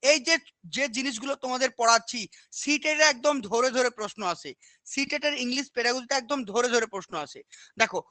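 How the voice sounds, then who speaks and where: Woman coaching teacher, crisp bright tone, close dry mic, drills terms, keeps asking if you follow. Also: high voice, no echo. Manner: repetitive, quizzing, asks "understood?" often. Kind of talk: Bengali lesson on English teaching with repeated questions.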